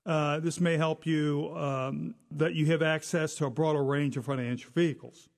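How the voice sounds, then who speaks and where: A man's voice: fairly high pitch, fairly even intonation, moderate pace, gravelly, big-room sound. A man co-hosting a financial advice talk, stressing key words with emphasis. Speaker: financial advisor co-host.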